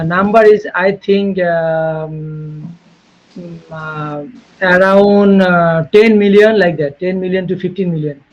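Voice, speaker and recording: Earnest Bangladeshi-born man, high voice. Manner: earnest, repetitive phrasing with frequent "okay" and "you know". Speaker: guest speaker, researcher. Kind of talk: webinar Q&A answers. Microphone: video call. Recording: dull lo-fi webinar audio.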